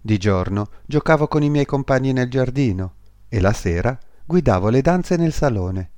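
A man voicing a sad, gentle golden prince statue in a fairy tale, recounting calmly. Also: medium pitch, normal speed, no room sound, pitched above the performer's own voice, close to an everyday voice. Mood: sorrowful.

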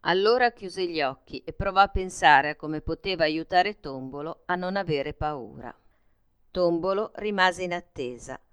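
A woman calmly reading a children's picture book aloud in a gentle, measured way. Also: lowish voice, clean tone, no echo. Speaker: storyteller.

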